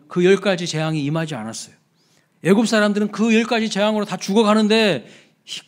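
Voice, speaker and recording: In a church sanctuary, a male pastor gives his Sunday sermon with emphasis. His voice sits slightly high for a man, and he swings from sudden softness back up to acted-out exclamations.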